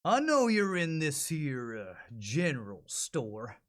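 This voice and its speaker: Man playing a slow-drawling stern Old West marshal. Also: on the high side, huge pitch swings, a bit bright, heavily acted. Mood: stern menacing. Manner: slow, deliberate cowboy drawl.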